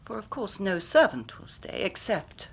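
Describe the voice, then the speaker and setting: An actress playing a grave young Victorian woman who tells her story in measured, formal speech, sometimes dropping to a hushed whisper. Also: mid-range voice, big pitch swings, gravelly, breathy edge, full character voice. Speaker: client telling her story. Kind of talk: period radio drama acting.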